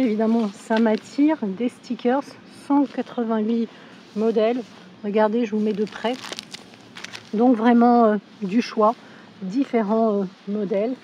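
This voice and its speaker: Hoarse woman vlogging from a supermarket. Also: a little high, mellow, a little hiss or hum, rough recording. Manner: chatty, with frequent fillers. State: hoarse from a cold. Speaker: shopping vlogger. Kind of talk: casual store walkthrough. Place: inside a supermarket.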